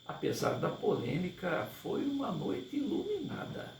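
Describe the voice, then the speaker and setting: A man's voice: high-pitched, wildly swooping pitch, measured pace, vocal fry, darkish tone, echoey room, far from the mic, a little hiss or hum, voice pushed up, heavily acted, poor audio. A man reading the lines of an admiring, brotherly friend who talks on at length.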